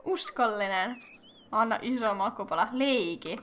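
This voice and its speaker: A young woman hosting casual game commentary, chatty and excitable, thinking aloud and squealing at cute animals. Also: a little high, a little hiss or hum. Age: young adult. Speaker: gaming channel host.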